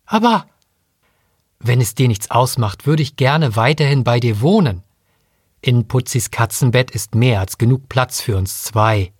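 A man's voice: mid-range voice, lively intonation, a little slow, breathy edge, dry recording, studio quality. A man voicing a cheerful, cocky male robot chimpanzee who talks in a breezy, cheeky way.

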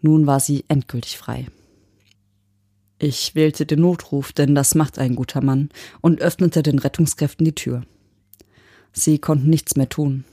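Woman reading with a mellow voice. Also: deep voice, fairly even intonation, unhurried, husky, no echo, clean studio sound. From Germany. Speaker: audiobook reader. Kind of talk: scripted narration.

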